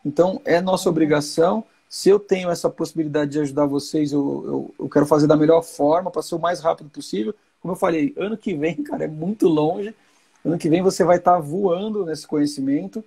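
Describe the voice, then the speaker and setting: Husky high-voiced man explaining warmly. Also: a little fast. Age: 40s. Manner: reassuring, explanatory, repeats key points. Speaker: host. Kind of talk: casual live chat.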